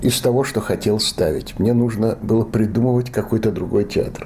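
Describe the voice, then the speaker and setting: With noticeable background noise, a man speaks at a medium pitch. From Soviet Union, born in Chernivtsi, Western Ukraine. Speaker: theatre director. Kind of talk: interview. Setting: his apartment, recorded on location.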